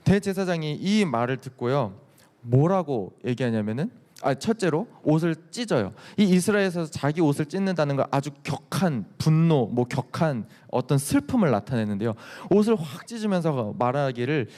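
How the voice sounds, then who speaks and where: A man preaching a sermon as youth pastor, telling the story in an animated way and acting out the quotes. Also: fairly high pitch, normal speed. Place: church sanctuary. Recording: reverberant church hall.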